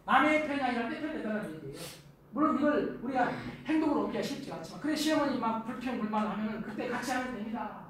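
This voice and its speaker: A middle-aged man giving a lively lecture to a live audience, acting out the spouses he quotes in a raised voice. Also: extremely high pitch, racing. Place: lecture hall. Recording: echoey hall from far off, faint noise.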